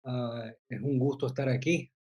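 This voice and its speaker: A man's voice: mid-range voice, steady tone, normal speed, darkish tone, slightly rough. A man in his forties, born in Costa Rica, talking as a guest on a podcast, hesitant with many fillers. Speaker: guest, journalist and filmmaker. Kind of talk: casual interview.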